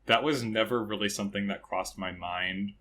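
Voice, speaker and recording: A man hosting a podcast, asking casual questions with a relaxed, laughing manner and plenty of uhs and likes. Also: fairly low pitch, moderate pace. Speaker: podcast host.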